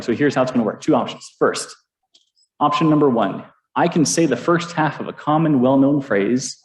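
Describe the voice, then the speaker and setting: A man's voice: mid-range voice, darkish tone, echoey room, low-quality recording. A man preaching a sermon to his congregation, playful and self-deprecating, drawing the listeners into a call-and-response game. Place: church sanctuary.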